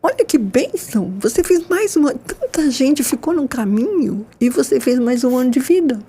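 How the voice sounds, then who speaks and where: An enthusiastic woman in her sixties chats on a panel, her voice pitched a little high yet mellow and dark in tone. She talks expressively, often tagging her sentences with little checks for agreement. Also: moderate pace, slightly rough. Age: 60s. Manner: enthusiastic, expressive, with frequent "né?" tags. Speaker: nurse and guest. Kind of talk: casual panel conversation.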